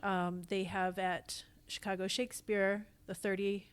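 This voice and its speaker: A woman's voice: medium pitch, level tone, unhurried, smooth. A middle-aged American woman talking casually as a theatre guest on a podcast. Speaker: podcast guest, theatre actor and company founder.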